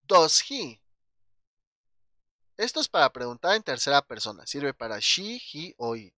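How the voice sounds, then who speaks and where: Bright-voiced Mexican male teacher. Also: mid-range voice, big pitch swings, a little fast, no echo, clean studio sound. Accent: Mexican Spanish. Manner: patient, checks in often with "ok?" and "sale?". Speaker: English teacher. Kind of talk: classroom grammar explanation.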